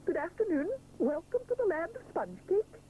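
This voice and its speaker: A jolly, formal male chef from a children's storybook, as a woman acts him out, speaks in a high, lively voice full of delight. Audible hiss runs under the recording. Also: moderate pace, poor audio. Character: cheery pompous adult male cake chef.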